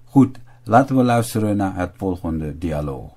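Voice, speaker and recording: A man's voice: deep voice, animated, moderate pace, mellow. A man teaching a language lesson, carefully spelling out and repeating words for learners. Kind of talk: slow, deliberate language lesson narration.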